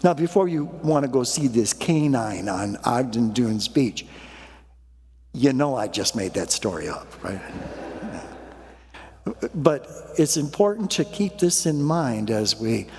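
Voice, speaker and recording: To open his sermon, a male pastor tells a folksy story from the pulpit, chuckling as he goes. His mid-pitched, darkish voice has lively intonation and a slow pace, and the church hall gives it a long reverb.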